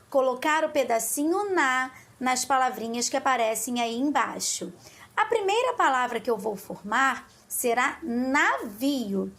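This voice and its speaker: A woman's voice: high-pitched, a bit bright. A Brazilian woman teacher with a Carioca accent, walking young pupils through worksheet exercises in a patient, sing-song way. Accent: Carioca Portuguese. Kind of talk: recorded lesson for young pupils.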